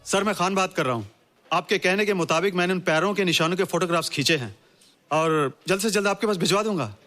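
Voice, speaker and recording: A man's voice: high-pitched, fast, pushed and bright. An actor playing a formal, respectful man reporting to his superior. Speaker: caller. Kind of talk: Bollywood film acting. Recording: film soundtrack with faint music.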